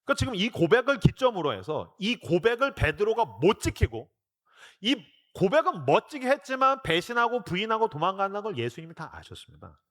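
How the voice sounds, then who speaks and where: A man preaching a sermon in an animated way, his pitch swinging widely from phrase to phrase. He sits a little high for a man. He drops into acted-out quotes and voices the figures of the story as he goes. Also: fairly quick. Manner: lively preaching that acts out quoted lines in character. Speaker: pastor.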